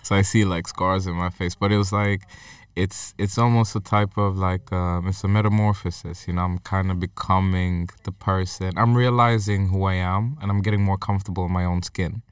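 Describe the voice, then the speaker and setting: A young man from Uganda and Sweden, a musician guest talking casually with many fillers and pauses. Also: low voice, clean tone, no echo, distant mic. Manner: relaxed, hesitant, lots of fillers. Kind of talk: casual interview chat.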